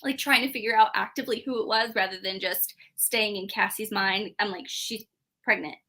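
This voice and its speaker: A woman's voice: medium pitch, fairly even intonation, moderate pace, sharp tone. A woman talking informally about books as a live show co-host, using "like" often as she gives opinions. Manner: informal, heavy use of "like". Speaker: co-host of a book club readalong. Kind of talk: casual book chat, live show.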